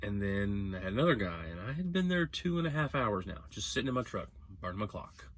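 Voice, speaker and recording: A man's voice: on the low side, big pitch swings, fairly quick, a bit bright. A man talking casually as a truck-driving vlogger, rambling and correcting himself as he gives earnest advice. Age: young adult. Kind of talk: casual vlog monologue.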